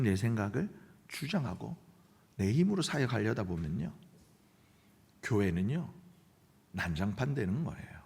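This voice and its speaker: Animated middle-aged pastor preaching in an echoey hall. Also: male voice, medium pitch. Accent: Gyeongsang Korean. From Gyeongsang region of Korea. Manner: animated, acts out quoted voices, drops to near-whispers. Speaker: senior pastor. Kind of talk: sermon.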